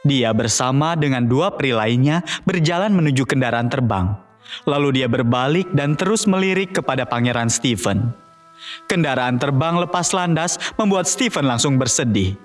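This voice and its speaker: A man's voice: medium pitch, lively intonation, moderate pace, faint music behind. A man narrating a scripted fairy tale for children as a storyteller.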